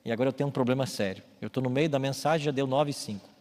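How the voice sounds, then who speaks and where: A man preaching a sermon as a pastor in a church, speaking emphatically and building to loud calls. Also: medium pitch, rapid-fire. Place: church with baptismal tank. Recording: long hall reverb, faint music.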